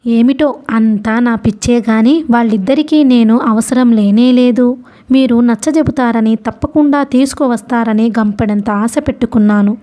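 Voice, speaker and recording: A woman reading the part of a grieving mother who talks in a hurried rush, half angry and half dejected. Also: on the high side, dark tone, lightly acted. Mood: bitter, hurt. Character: grieving bitter mother, middle-aged woman.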